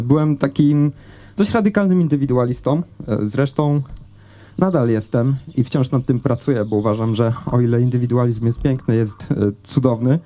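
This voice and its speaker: A young man with a dark, mid-range voice speaks into a handheld mic at an outdoor festival, telling the audience a story about himself. He sounds conversational, stumbling through many hesitations and fillers.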